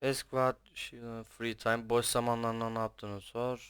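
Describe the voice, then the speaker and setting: A man's voice: mid-range voice, flat delivery, unhurried, a bit bright, clear, resonant tone. A Turkish man giving casual let's play commentary with short, repetitive reactions.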